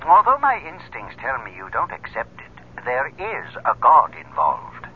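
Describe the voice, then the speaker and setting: An actor playing a pompous, condescending cult leader who talks with hesitant courtesy and quiet menace in a 1970s radio drama. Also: male voice, mid-range voice, wildly swooping pitch, measured pace. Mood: silky, menacing. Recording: tinny phone-like sound, noisy old radio tape.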